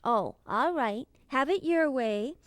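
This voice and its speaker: A woman's voice: sits high, lively intonation, takes it slowly, no echo, clean studio sound, soft background music. A woman voicing a silly, cheerful, muddled puppet character telling stories in a children's puppet show, with an exaggerated, dithering delivery. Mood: muddled, unbothered.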